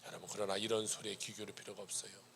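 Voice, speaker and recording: A male pastor preaching a sermon, swinging between loud cries and hushed whispers. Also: fairly low pitch, little pitch movement, very fast, gravelly, a little hiss or hum.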